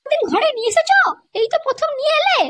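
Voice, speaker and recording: A performer voicing a sharp-tongued young wife in a comedy cartoon, crude and taunting, with a West Bengal accent and a pitched-up voice. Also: lively intonation, fast, noisy background. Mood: irritated. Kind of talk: amateur comedy cartoon dialogue.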